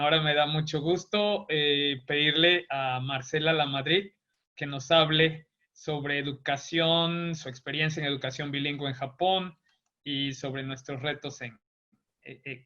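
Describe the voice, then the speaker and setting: A man's voice: a little high, steady tone, normal speed, bright, forceful tone. A Mexican man moderating an online panel in a polite, hesitant way. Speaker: embassy cultural attaché, moderator. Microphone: video call. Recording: dull lo-fi video call audio.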